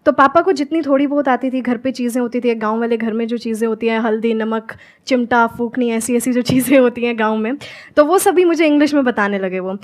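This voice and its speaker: A young woman from Haryana speaks on stage as a motivational speaker and English teacher, her voice sitting high. She switches easily between Hindi and slow, carefully pronounced English phrases. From Haryana, India. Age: 20s. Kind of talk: stage conversation with audience questions.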